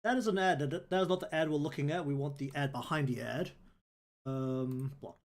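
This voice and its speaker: Talking a little fast in a fairly high voice, this New Zealand man rambles casually on his livestream, his speech full of ums and likes. He's a streamer and artist, and lofi music plays faintly behind him.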